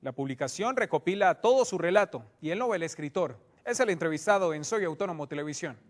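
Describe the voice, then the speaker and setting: A man's voice: a little high, lively intonation, fast. A man reading a scripted news-style introduction to a TV program. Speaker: program announcer.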